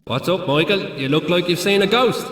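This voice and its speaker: A man's voice: high-pitched, animated, normal speed, fairly bright tone. A man voicing an irreverent, sardonic guide of the underworld in a video game, teasing and theatrical. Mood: mocking, teasing. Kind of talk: video game character acting. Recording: echoey, long hall reverb.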